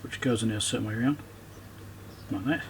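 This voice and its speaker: Working through a repair in his own video, an electronics repairer talks fast in a lowish male voice, thinking out loud and muttering casually as he goes. Background noise is clearly audible behind him.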